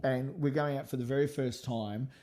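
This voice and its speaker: A man's voice: mid-range voice, steady tone, moderate pace, mellow. A man co-hosting a comedy podcast, rambling and hesitant with frequent ums, on a studio microphone. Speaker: podcast co-host. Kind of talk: casual comedy chat.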